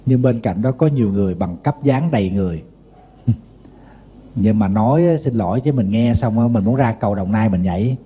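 Telling funny stories in a lively sermon, a middle-aged Buddhist monk with a Southern Vietnamese accent speaks briskly in a fairly low, husky voice. The recording sounds muffled.

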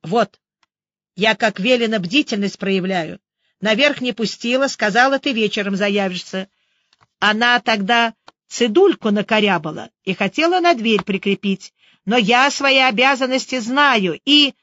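A woman's voice: fairly high pitch, unhurried, a bit bright, dry recording, highs cut off. A woman reading an audiobook, voicing a grumpy, self-important old watchwoman who grumbles and complains. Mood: grumbling.

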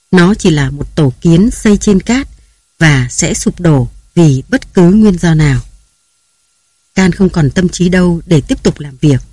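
Audiobook narrator, steady novel reading, middle pitch, dry close mic. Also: slightly rough, dry recording.

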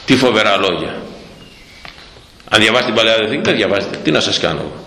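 A man delivers a sermon in an emphatic, repeating preacher's cadence, his pitch swinging widely from line to line. His slightly hoarse voice has a bright, forceful edge. The sound rings with long reverb, as if from a large hall. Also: lively intonation. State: hoarse throat. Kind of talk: sermon on scripture.

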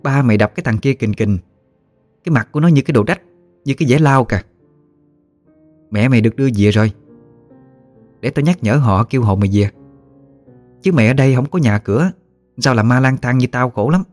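A man's voice: medium pitch, fairly quick, long pauses, darkish tone, soft background music, voice pushed up, lightly acted. A man voicing a fierce, foul-mouthed old woman ghost who scolds coarsely. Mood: scolding.

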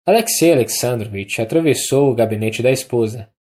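An audiobook narrator with a Brazilian accent reading a classic novel in a measured, even way. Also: medium pitch. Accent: Brazilian Portuguese.

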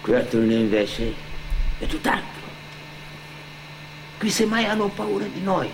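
An actor playing a defiant young immigrant drug dealer in a colloquial theatrical monologue, swearing and throwing out pointed questions. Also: male voice, sits high, big pitch swings, unhurried, background noise, full character voice. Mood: wry. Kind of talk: theatrical first-person monologue.

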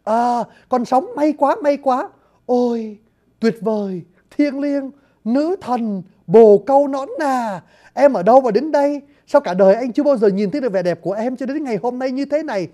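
A narrator voicing a bewitched young man who pours out cheap flattery and blustering threats. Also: medium pitch, normal speed, voice pushed up, lightly acted. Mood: gushing. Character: bewitched young man, gushing and hot-headed.

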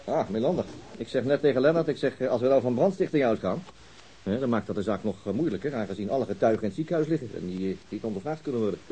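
An actor playing a brisk, matter-of-fact police detective who explains cases to colleagues in a radio drama. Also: male voice, mid-range voice, lively intonation, warm tone, slightly rough, low-quality recording. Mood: brisk, businesslike. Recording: faint hiss.

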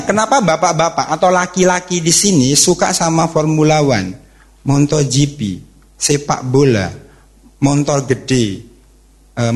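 Animated man giving a seminar talk. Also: a little high. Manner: animated, acts out quotes and cheers, asks the audience questions. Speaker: youth counselor giving a talk. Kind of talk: lively religious seminar talk.

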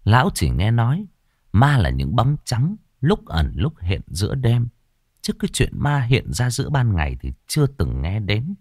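A man reading a ghost story aloud in a steady storytelling manner. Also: medium pitch, moderate pace, no room sound, clean studio sound. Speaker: narrator.

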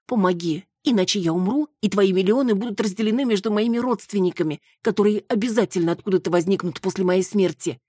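Brief: woman reader playing a desperate young heroine, higher and tense, in a dry close take. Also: quick pace, few pauses, dark tone, slightly rough, no room sound, close to an everyday voice. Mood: pleading. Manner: pleading, breathless and panicky. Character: frantic young woman Marusya. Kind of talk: audiobook character voice.

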